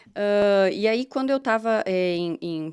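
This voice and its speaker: A woman speaks in a Santa Catarina accent. Her pitch varies in an ordinary way. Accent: southern Brazilian (Santa Catarina). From southern Brazil, Chapecó, Santa Catarina. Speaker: corporate security executive. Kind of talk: podcast interview. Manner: hesitant, many fillers.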